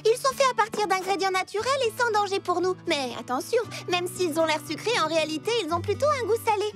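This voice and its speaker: A woman's voice: extremely high pitch, lively intonation, quick pace, a bit bright. A woman voicing a sensible girl in a children's cartoon, speaking in a reasonable, instructive manner. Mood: cheerful. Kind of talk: animated French-language cartoon dubbing. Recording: background music under the dialogue.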